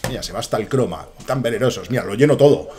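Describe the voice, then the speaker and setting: Excitable Spanish gaming streamer. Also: male voice, lowish voice, racing, a crowd in the background. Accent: Spain Spanish. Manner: excitable, rambling, swears a lot. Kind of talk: excited gameplay commentary.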